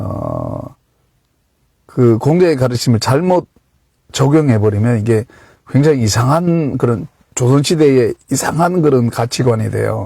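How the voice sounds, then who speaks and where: The tone is dark and mellow, with ordinary pitch variation. Delivery is fairly slow, broken by long, frequent pauses. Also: man, medium pitch for a man. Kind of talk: sermon-like monologue. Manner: halting, with fillers.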